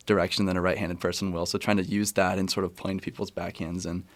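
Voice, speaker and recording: A young American man with a deep voice talks quickly in a casual podcast interview. He rambles and corrects himself as he goes, like a college athlete chatting as a guest. The sound is dry and close, with very little room. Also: flat delivery, no echo. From California, USA. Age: young adult, about 20. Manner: conversational, rambling, self-correcting.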